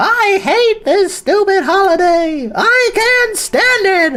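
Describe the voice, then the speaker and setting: A put-on character voice comes out squeaky and at an extremely high pitch. It moves at a very slow pace. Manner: grumpy, complaining.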